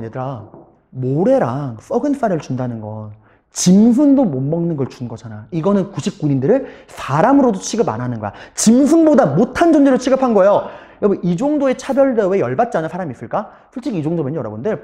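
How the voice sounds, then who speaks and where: A man's voice: fairly high pitch, very animated, quick pace, mellow. A male middle school history teacher giving an online lecture, telling the story animatedly and talking straight to his students.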